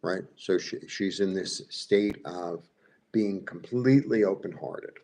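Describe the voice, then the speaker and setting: This tarot reader, a man with a Brooklyn Jewish accent, speaks in a low, unhurried, slightly mellow voice during a live reading. Talking straight to his viewers, he wanders off topic, says things more than once, and keeps checking in with "right?"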